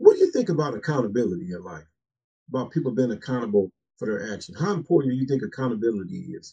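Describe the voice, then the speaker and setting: A man talks very fast in a dark, mellow, somewhat breathy tone, his loudness swinging widely and his pitch ranging very widely. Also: medium pitch for a man. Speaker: preacher and interviewer. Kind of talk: interview with religious testimony. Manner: warm, affirming.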